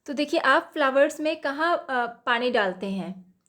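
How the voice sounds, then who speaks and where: An Indian woman teaching a children's English lesson. Her voice sits a little high and she talks at an unhurried pace, reading the English questions out slowly before explaining them. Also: animated, a bit bright.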